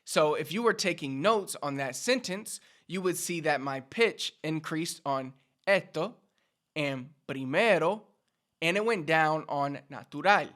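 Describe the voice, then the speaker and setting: A Puerto Rican man with a Puerto Rican accent gives an upbeat Spanish lesson straight to the viewer. His voice sits a little high and rings bright and forceful. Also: lively intonation, unhurried. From Puerto Rico. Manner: upbeat, instructive, addresses viewers directly. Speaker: Spanish teacher. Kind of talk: direct-to-camera language lesson.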